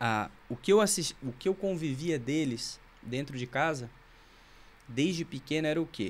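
Pausing long and often, a man speaks at a moderate pace with lively intonation. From Santa Catarina, Brazil. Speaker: former prisoner turned evangelical author; podcast guest. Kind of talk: testimony; interview answer. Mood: reflective, personal story. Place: studio. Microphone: studio mic.

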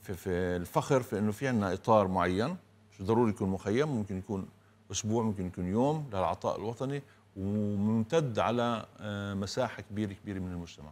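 This man has a plain, everyday voice at a fairly low pitch. He speaks at a moderate pace with ordinary pitch variation. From Nazareth area, Galilee; Galilee. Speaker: film director and project coordinator; guest. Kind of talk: TV morning show interview. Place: studio. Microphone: lapel.

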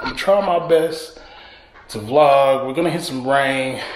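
A man talks with ordinary pitch movement in a room with audible echo. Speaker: motorcycle vlogger. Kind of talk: casual vlog chat. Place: garage. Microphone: phone near.

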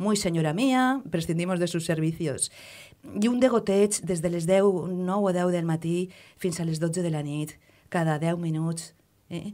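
A woman speaks at fairly low pitch in a dark, mellow tone with ordinary pitch variation. Her pace is fairly slow, and the background is quiet. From Valencian Country, Alcoi; Valencian Country. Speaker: radio journalist; radio journalist interviewee. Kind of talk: interview; scripted narration. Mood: warm, smiling. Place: studio.

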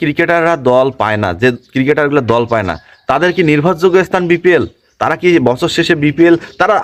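This man's intonation is lively. He speaks with a fairly high pitch. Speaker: cricket news youtuber. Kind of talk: casual opinion monologue. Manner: animated.

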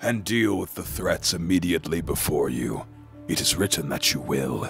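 A man's put-on character voice, very deep and low, at a moderate pace over clear music in the background. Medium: fan dub. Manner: solemn, prophetic.

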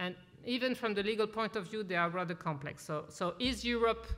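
Speaking with a French accent, a woman shows ordinary pitch variation. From France. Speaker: former competition regulator, senior judge. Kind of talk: panel talk. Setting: conference stage with audience. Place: hall. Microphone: podium.

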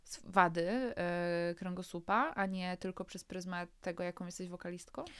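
Against a quiet background, a woman speaks. Her pace is fairly slow. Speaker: podcast host. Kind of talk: casual interview conversation. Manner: hesitant, many fillers. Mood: warm, attentive. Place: studio. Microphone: studio mic.

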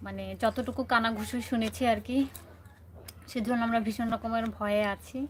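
Breath is somewhat audible in this voice. The delivery stays monotone, with flat intonation. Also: woman, fairly high pitch for a woman. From Bangladesh, Gazipur. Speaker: vlogger. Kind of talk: livestream chat. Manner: halting.

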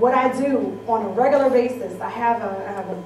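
With ordinary pitch variation, the voice carries audible room echo over noticeable background noise. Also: woman. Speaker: motivational speaker and business coach. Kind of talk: keynote speech to live audience. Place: hall. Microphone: pa.

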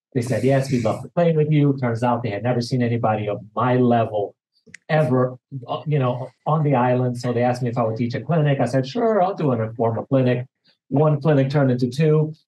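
Somewhat breathy and dark, mellow in tone, a man's medium-pitched voice moves at a fairly quick pace with fairly even intonation. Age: 50s. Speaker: professional pickleball player and coach; guest. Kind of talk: casual interview chat; interview answer. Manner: halting, many fillers. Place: home room. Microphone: earbuds.

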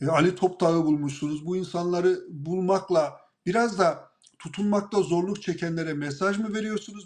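Ordinary pitch variation runs through a man's speech at a moderate pace. Behind him the background stays quiet. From Turkey. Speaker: journalist and book show host; journalist, book show host. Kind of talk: interview. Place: home room. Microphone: video call.

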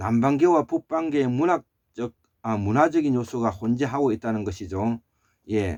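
A man's dark, mellow voice with lively intonation, dry and close with no echo, against a quiet background. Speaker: lecturer. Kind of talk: lecture reading from a book. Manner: halting, many filler words.

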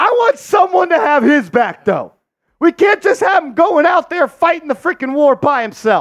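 Speaking loudly at a moderate pace against a quiet background, a man has an extremely high-pitched voice. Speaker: sports stream host. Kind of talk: live commentary. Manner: excitable. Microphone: headset.

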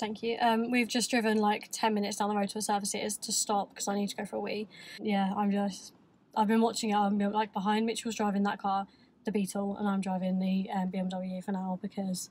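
In a dry sound with no echo, a woman talks at a fairly quick pace in a flat, monotone way with a somewhat breathy voice. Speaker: vlogger. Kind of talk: casual vlog chat. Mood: relaxed, cheerful, some laughs. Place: car. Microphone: phone near.

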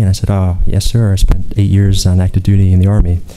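A fairly quick man's voice, fairly low in pitch, with a dark, mellow tone and fairly even intonation, set against noticeable background noise. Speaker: panelist. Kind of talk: personal story talk at a conference. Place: hall. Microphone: podium.

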